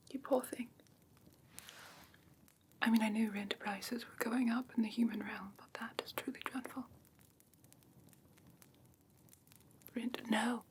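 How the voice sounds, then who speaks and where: A woman acts out a doting fae creature in a whispered ASMR fantasy roleplay. Her voice is soft, breathy and a little high, with gentle, genteel phrasing and a faintly haughty sweetness. There is slight noise behind the close whisper. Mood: tender, reassuring. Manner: gentle, genteel wording with coaxing endearments.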